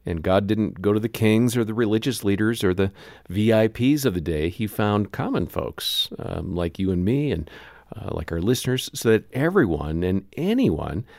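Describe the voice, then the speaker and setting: Low, creaky-voiced man, lively intonation. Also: moderate pace, dry recording, clean studio sound. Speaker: radio show co-host. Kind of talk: reflective scripted broadcast talk with the host.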